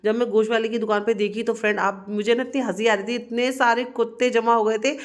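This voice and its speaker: A woman's voice: a little high, flat delivery, quick pace. A young woman vlogging her day to a handheld phone camera, chatting with viewers she keeps calling "friend". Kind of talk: casual daily vlog chat. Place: out and about, later at home kitchen.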